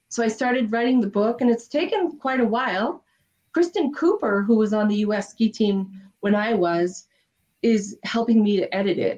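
A woman's voice: mid-range voice, darkish tone. Middle-aged woman guest; earnest, upbeat storyteller, muffled video-call sound. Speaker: guest, former ski racer. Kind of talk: interview conversation. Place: home office. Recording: dull video-call audio.

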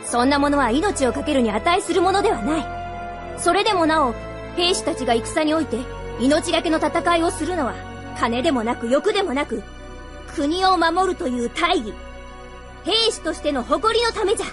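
High-voiced, imperious young princess. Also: female voice, animated, moderate pace. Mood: stern, proud. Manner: imperious, formal old-fashioned speech. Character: proud, indignant young princess with archaic regal speech. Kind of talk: Japanese radio drama acting. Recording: music behind the voice.

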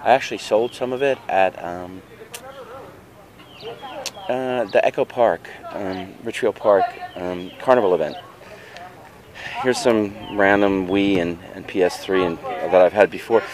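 A man's voice: low-pitched, fairly even intonation, a little slow, long pauses, a crowd in the background. A man filming a casual, rambling walkthrough of his vendor tables at an outdoor street fair on a handheld camera. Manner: chatty, rambling. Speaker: flea market vendor.

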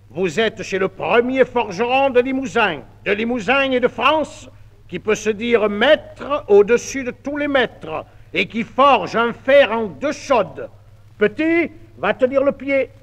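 A man's voice: high voice, animated, slow, long reverb tail, pitched above the performer's own voice, heavily acted. A man voicing a proud, boastful master blacksmith who talks in a pompous, blustering way, on an old mono record. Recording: dull 1950s mono record.

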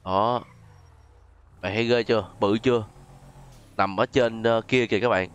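A man's voice: on the low side, steady tone, measured pace, smooth, highs cut off. A man with a southern Vietnamese accent giving chatty, exclamatory gameplay commentary and often addressing his viewers. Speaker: gaming YouTuber host. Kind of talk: casual gameplay commentary with role-play.

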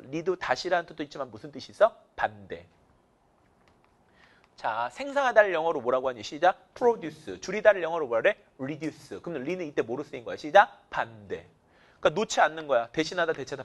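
A male English teacher giving an energetic vocabulary lecture, counting students in and drilling them with call-and-response cues. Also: a little high.

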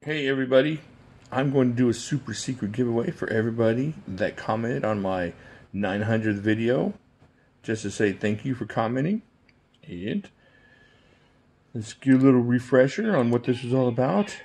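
A man hosts a casual giveaway vlog from behind the camera. He has a mid-pitched voice and a folksy, informal way of talking. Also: normal speed, darkish tone, breathy edge. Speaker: video channel host. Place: indoors at a computer, voice behind camera.

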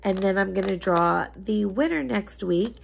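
Her medium-pitched voice carries vocal fry and a measured pace, though it's scratchy since she's losing it. The young woman, a beauty vlogger, chats about makeup casually to camera from a living room couch, rambling and emphatic.

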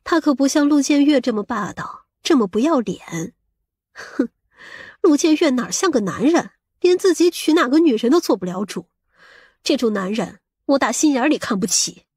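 A woman's voice: high-pitched, animated, normal speed, a little mellow, husky, dry recording, studio quality. A woman playing a vain, scheming middle-aged mother in an audiobook, with a scolding, boastful and coarse-tongued manner. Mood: resentful, proud. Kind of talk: audiobook character acting.

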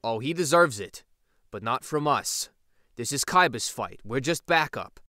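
A man's voice: medium pitch, animated, unhurried, bright, forceful tone, dry recording, clean studio sound. An actor playing a level-headed young man in an audio drama, reasoning firmly with a friend.

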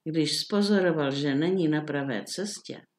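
Older lady reading an old fairy tale out loud, calm, steady pace. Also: low-pitched. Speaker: storyteller.

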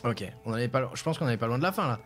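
A man's voice: medium pitch, lively intonation, very fast. A man streaming a game and chatting casually as he works out what to do. He hesitates and thinks aloud while game music plays behind him. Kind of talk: casual let's-play commentary.

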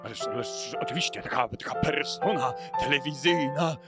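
A man plays a nervous, eager-to-please bar manager in a children's radio play. His voice sits at a medium pitch and stumbles over words, with piano playing prominently behind it. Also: normal speed, lightly acted. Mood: flustered, deferential. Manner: stammering, hesitant, eager to please. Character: flustered, obliging male beach-bar boss. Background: piano music.

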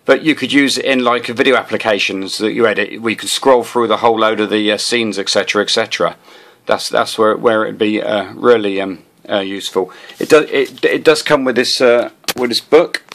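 This video host, a ham radio enthusiast, gives a casual, unscripted gadget demo at a desk in a small room, recorded with a handheld camera or phone. He speaks at normal speed in a fairly low, fairly bright voice with fairly even intonation, rambling hesitantly and repeating himself often.

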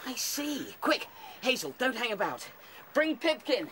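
A man's voice: extremely high pitch, sing-song, a little slow, sharp tone, slight background noise, full character voice. A man acting in a radio play as a small, anxious visionary rabbit, fretful and intense. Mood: urgent.

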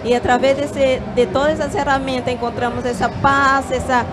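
A Brazilian woman yoga teacher speaking Spanish in a gentle, measured way with small hesitations, on a handheld mic at a fair stand. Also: high-pitched, level tone. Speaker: yoga teacher and holistic therapist. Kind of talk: calm explanatory interview answers. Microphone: handheld microphone.

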